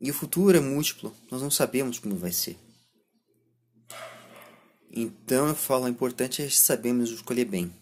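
Brazilian male vlogger, 20s, husky mid-pitched voice, reflective and halting. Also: lively intonation, darkish tone. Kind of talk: reflective monologue to camera. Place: small indoor room lined with bookshelves. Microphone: phone or camera at arm's length.

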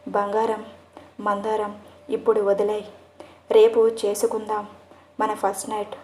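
A woman's voice: mid-range voice, completely flat delivery, a little slow, darkish tone, close to an everyday voice. Woman doing an exasperated young husband. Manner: mildly exasperated, affectionate. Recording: echoey room.

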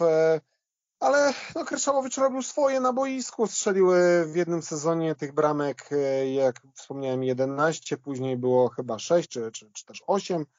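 A man talking football casually as a podcast panelist, recounting things in a halting, reflective way. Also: fairly high pitch, darkish tone, dry recording, lo-fi sound.

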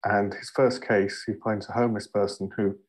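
Middle-aged southern English man, lowish, casual and a bit halting, headset call. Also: little pitch movement, rough recording. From Surrey, England. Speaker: author introducing his book. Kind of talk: casual self-introduction.

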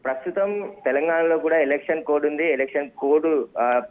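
A man, a field reporter, gives a live news report by phone, rambling at times with filler pauses. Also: on the high side. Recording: tinny phone line.

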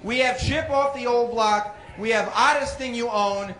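A man working as a warm-up host on stage, bantering casually and teasing the people around him. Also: very high-pitched, normal speed, rough recording. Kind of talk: live crowd hosting, casual banter. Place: stage at a live event. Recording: live venue with crowd noise. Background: audience noise.

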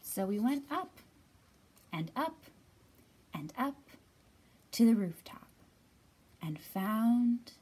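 A woman's voice: fairly high pitch, big pitch swings, drawn-out words, long pauses, dark tone, breathy edge. A woman in her thirties hosting a storytime for young children, speaking expressively as she talks and reads aloud. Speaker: children's library storytime host. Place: library room with bookshelves, indoors.

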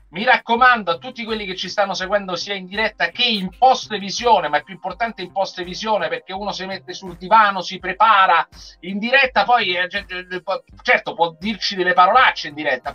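A man's voice: sits high, fairly quick, bright, forceful tone. A middle-aged man hosting a casual watch-along on a video call, chatting and joking. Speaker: host of a group livestream. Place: room at home. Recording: dull compressed stream, music behind.

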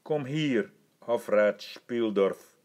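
A man reading an audiobook, voicing a gracious, commanding older emperor who speaks in a formal, measured way. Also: mid-range voice, darkish tone. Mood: stately.

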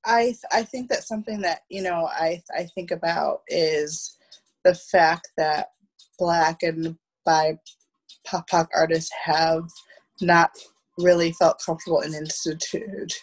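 An American woman in her thirties with a husky voice, stammering and repeating words in a roundtable discussion over a video call. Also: fairly low pitch, steady tone, slow, poor audio. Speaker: theatre producer and panel guest. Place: small room at home, on a video call. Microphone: video call, wearing headphones.

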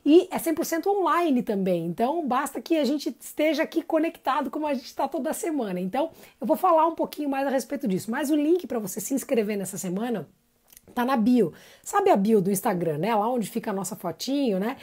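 A woman runs a live-streamed singing lesson, talking in a chatty, encouraging way. She greets viewers by name between explanations. Her speaking voice sits a little high. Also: lively intonation, a little fast, a little mellow. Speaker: singing teacher.

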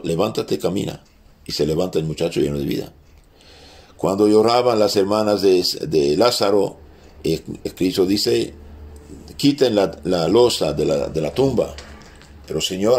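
A man with a French accent teaching a catechism lesson as a priest, halting and restarting often as he quotes scripture aloud. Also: sits low, vocal fry, a little mellow.

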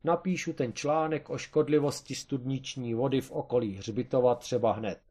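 A man voicing a cautious doctor in a comic storybook reading, measured and objecting. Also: medium pitch, steady tone, mellow, lightly acted. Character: cautious reasoning male doctor.

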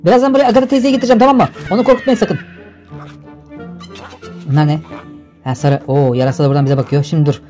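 A young man giving energetic, exclamatory gameplay commentary for a video. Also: fairly high pitch, racing, pauses often, soft background music. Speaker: gaming YouTuber. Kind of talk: excited game commentary.

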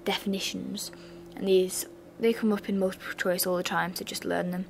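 A young woman with a slightly raspy voice from a sore throat, talking through a revision lesson in a flat, bored-sounding way with chatty asides. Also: medium pitch, moderate pace, slight background noise. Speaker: revision channel host. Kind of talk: casual revision lesson voice-over.

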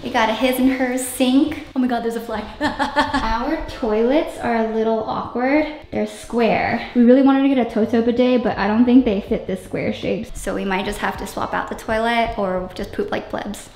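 A woman's voice: a little high, fairly even intonation, normal speed, a little mellow. A young woman vlogging a cheerful, chatty tour of her new house, filmed on a handheld phone. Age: young adult. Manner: bubbly, chatty, upbeat. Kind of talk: casual vlog house tour. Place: empty new house, big bare rooms. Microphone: handheld phone camera. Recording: echoey empty rooms.

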